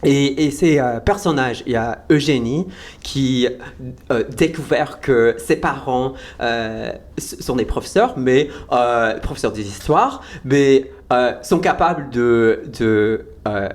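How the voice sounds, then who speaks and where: An American man from Vermont, a native English speaker, hosting a casual interview in an enthusiastic, halting way, with an American accent and some Québécois French. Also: mid-range voice. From United States, Vermont. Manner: enthusiastic, hesitant with restarts. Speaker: host.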